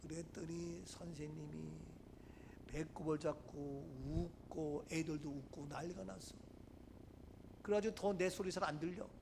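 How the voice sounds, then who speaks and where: A man with a high, bright voice preaches in a church, telling stories with lively swings between quiet asides and loud, forceful lines. Faint background noise sits under the voice. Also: unhurried, vocal fry. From Gangwon Province, Korea. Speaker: pastor. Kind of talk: sermon. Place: church sanctuary.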